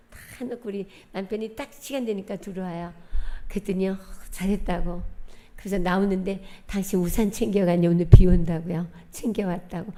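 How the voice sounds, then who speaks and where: A woman's voice: medium pitch, warm tone. A middle-aged woman giving a personal testimony at a church worship service, telling her story vividly and acting out the dialogue. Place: church sanctuary.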